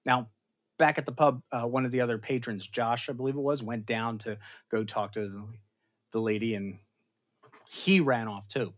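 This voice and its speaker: A man hosting an online show, casually recapping a television episode for his live chat in an animated, storytelling manner with sudden dramatic outbursts. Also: mid-range voice, normal speed, muffled recording. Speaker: show host reviewing an episode.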